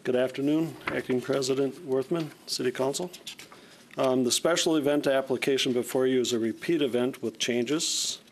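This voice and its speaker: Creaky middle-aged American man presenting. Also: mid-range voice, normal speed, a little hiss or hum, rough recording. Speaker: city staff presenter. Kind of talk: formal presentation. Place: council chamber.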